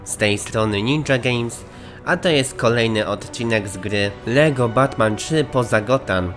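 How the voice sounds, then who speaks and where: A man hosting a let's play, chatty and easygoing, his voice stuffy and slightly hoarse from a cold. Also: mid-range voice, measured pace, a bit bright. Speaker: gaming channel host. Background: game music.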